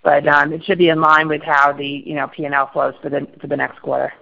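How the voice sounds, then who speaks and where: A woman's voice: deep voice, completely flat delivery, fairly quick, creaky, bright, forceful tone. A woman speaking as a finance executive, giving formal answers on an earnings call. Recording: dull lo-fi conference call.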